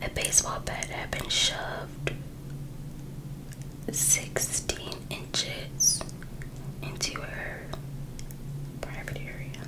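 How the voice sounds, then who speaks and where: Whispering woman reading ASMR, very slow. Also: poor audio. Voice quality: breathy unvoiced whisper. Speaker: ASMR creator.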